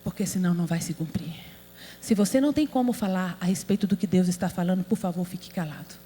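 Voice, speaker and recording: A woman's voice: lowish voice, fast, dark tone. A woman pastor from Brazil preaching a sermon, emphatic and asking the audience rhetorical questions. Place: large convention hall. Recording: hall reverb with mains hum.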